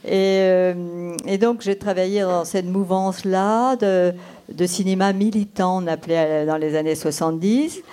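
A woman's voice: fairly low pitch, fairly even intonation, a little slow, mellow. A woman in her eighties from Brittany, whose first language is Breton, answering interview questions as a documentary filmmaker and telling her stories unhurriedly while she thinks aloud. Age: 80s.

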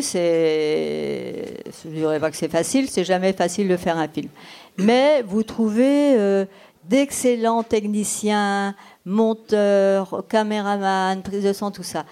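Woman in her 80s, breton is her first language, mellow voice, tells stories slow and easy like she's thinking out loud. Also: medium pitch. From Brittany. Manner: unhurried storytelling, thinking aloud. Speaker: documentary filmmaker. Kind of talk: reminiscing interview answers.

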